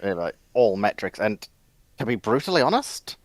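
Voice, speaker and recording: A man on a discussion panel explaining things casually in a measured, matter-of-fact way. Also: fairly low pitch, big pitch swings, dry recording.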